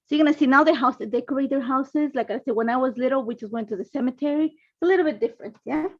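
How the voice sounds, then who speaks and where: A woman's voice: sits high, rapid-fire. A middle-aged woman from Ecuador, hosting a casual craft livestream from her home craft room, chatting, rambling and greeting viewers by name. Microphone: phone and laptop livestream setup. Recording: dull lo-fi livestream audio.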